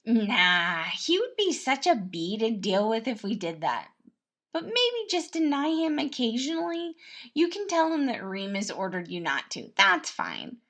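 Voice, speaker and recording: Lady doing a bratty gleeful prince for a story, loud, teasing, swoopy voice. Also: fairly high pitch, huge pitch swings, measured pace, pitched above the performer's own voice, exaggerated voice. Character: brash, mischievous, gleeful prince.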